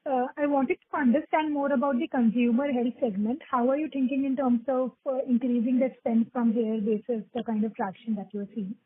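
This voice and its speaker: A woman calling in as a financial analyst, asking questions politely in a slightly husky voice. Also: fairly high pitch, fairly even intonation, a little fast, few pauses, slight background noise. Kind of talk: asking questions on an earnings conference call. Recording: thin telephone line.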